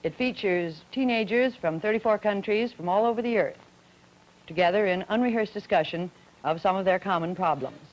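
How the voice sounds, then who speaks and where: A poised woman moderates an old broadcast discussion in an average-pitched voice, asking her questions briskly. The archival recording sounds dull and muffled, with the top end rolled off. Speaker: forum moderator.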